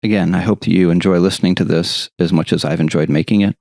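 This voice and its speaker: A man's voice: low-pitched, steady tone, quick pace, creaky, darkish tone. A man hosting his own podcast, introducing a guest and chatting in an easygoing, friendly way. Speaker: podcast host. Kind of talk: casual interview and spoken intro.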